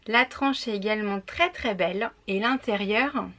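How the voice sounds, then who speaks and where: A woman's voice: mid-range voice, normal speed, sharp tone. A young woman chatting cheerfully as she unboxes a monthly book box. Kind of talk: casual unboxing chat.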